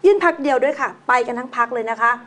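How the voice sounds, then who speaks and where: Woman news show host, high voice, reads stories then chats casually about them. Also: racing. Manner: reads news items then banters in a relaxed, conversational way. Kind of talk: chatty news commentary.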